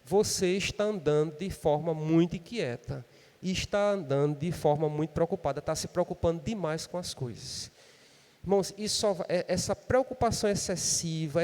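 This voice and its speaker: Preaching in a church, a man uses a fairly high, slightly mellow voice that leaves a long reverb tail. He has a Brazilian Portuguese accent and talks to the congregation conversationally, tagging many sentences with "né?" as a question.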